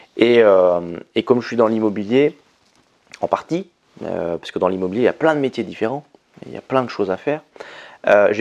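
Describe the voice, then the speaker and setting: A man with an unremarkable speaking voice talks at a fairly quick pace. His medium-pitched voice has lively intonation. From eastern France, Belfort. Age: 30s. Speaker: entrepreneur. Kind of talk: casual interview. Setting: office.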